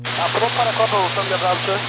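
A man's voice: sits high, fairly even intonation, rapid-fire. A man, a pilot talking to the control tower over a two-way radio in brief, clipped phrases. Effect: heard over a two-way radio. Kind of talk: radio communication with air traffic control. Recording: noisy distant radio transmission.

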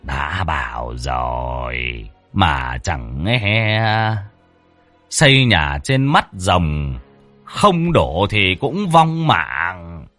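A man voicing an old village elder who speaks slowly, low and sighing. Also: sing-song, a bit bright, no room sound, soft background music, exaggerated voice. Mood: grim sigh.

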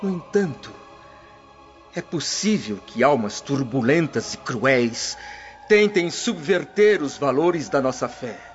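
An actor playing a grave early Christian preacher in ancient Rome, declaiming a prophetic sermon in a radio drama. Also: male voice, medium pitch, expressive, takes it slowly. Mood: exhorting. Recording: dull lo-fi radio drama, music behind.

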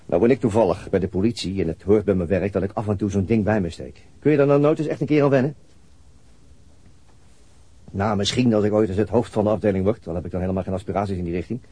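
A man's voice: on the low side, fast talker, mellow, husky, no echo. An actor playing a weary middle-aged detective and father, laconic and dryly sardonic, in a naturalistic radio play. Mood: irritated, sardonic.

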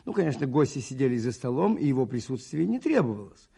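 An actor playing a watchful Catholic priest detective who tells his story in a radio play, measured and suspenseful, with a husky voice. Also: medium pitch, sing-song, dark tone, exaggerated voice. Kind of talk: radio play acting, first-person narration.

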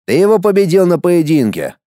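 A gruff, pushy tribal warrior, as a male narrator puts him on, barking short lines. The delivery is lively, with a mellow and dry tone. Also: sits high, fairly quick, dry recording, voice pushed up. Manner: gruff, insistent. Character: blunt tribal warrior, right hand of the chief.

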